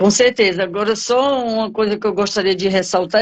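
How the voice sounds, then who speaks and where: A plain, everyday voice of a woman at medium pitch, with ordinary pitch variation. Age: 60s. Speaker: live-stream host. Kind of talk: casual chat. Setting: video call.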